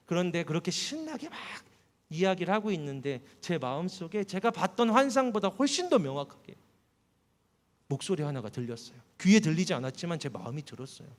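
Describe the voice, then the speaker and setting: Korean pastor preaching in a reverberant hall. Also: male voice. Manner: storytelling, voice drops soft and low for quoted words. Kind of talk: sermon, personal testimony. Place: church hall. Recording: long church hall reverb.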